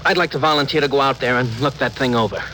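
A man's voice: medium pitch, fast talker, bright, forceful tone, slight background noise, natural voice, rough recording. An actor playing an eager, earnest young male crewman in a 1950s radio drama, respectful toward his captain. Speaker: ship's officer.

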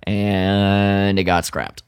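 A man co-hosting a podcast in casual chat, thinking aloud in loose, halting phrases. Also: deep voice, little pitch movement, clear, resonant tone, no echo. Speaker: podcast co-host.

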